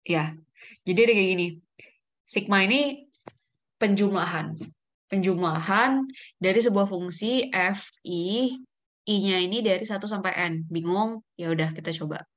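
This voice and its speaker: A woman's voice: mid-range voice, a little slow, pauses often. A woman teaching math in a casual online lesson, thinking aloud and checking herself as she works through formulas. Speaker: olympiad math tutor.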